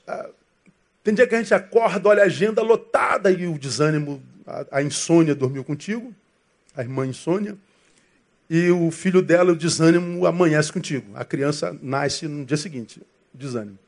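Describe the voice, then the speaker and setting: High-voiced Brazilian pastor preaching. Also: male voice, normal speed. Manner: conversational, calls listeners "irmão", asks them questions. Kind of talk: sermon.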